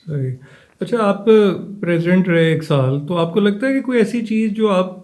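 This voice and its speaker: Male podcast host, high voice, asks questions haltingly. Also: darkish tone. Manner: hesitant, searching with fillers mid-question. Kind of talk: interview questions.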